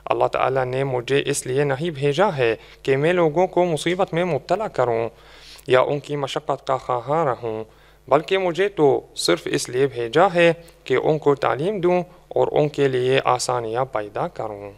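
A man preaching a sermon in a measured way, slowly drawing out the verses he recites. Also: medium pitch, vocal fry. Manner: measured preaching, slow drawn-out Quran recitation.

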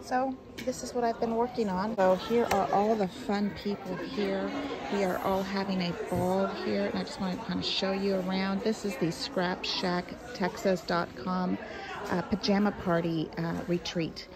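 A woman's voice: medium pitch, level tone, normal speed. A woman host casually walking through her scrapbook pages detail by detail, filmed on a handheld phone at a busy craft retreat in a large hall. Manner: chatty, friendly, walking through each detail. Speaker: paper craft channel host. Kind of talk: casual craft show-and-tell vlog. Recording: busy crowded hall chatter.

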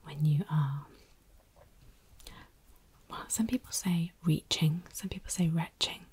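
A woman from Yorkshire with a Yorkshire accent, whispering softly and repeating dialect words over and over in an ASMR style. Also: sits low, steady tone, takes it slowly, husky. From Yorkshire, England. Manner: soft repetitive whispering of single words.

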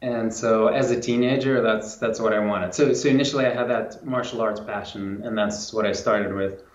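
A man's voice: lowish voice, steady tone, normal speed. Brief: reflective man, 40s, video call from a roomy home room, sound a bit dull. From Lithuania. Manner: reflective, many restarts and repeats. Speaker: guest, movement and strength coach. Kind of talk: casual interview talk. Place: home room with plants and guitar, indoors. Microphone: video call, camera at a distance.

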